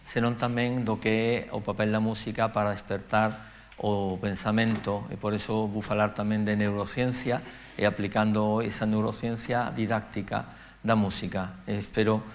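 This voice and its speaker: A middle-aged Andalusian man speaks as a guest lecturer. His delivery is measured and broken by frequent pauses, and his pitch stays level and even throughout. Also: slight background noise. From Andalusia, Spain. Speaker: guest speaker on music education. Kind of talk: public lecture.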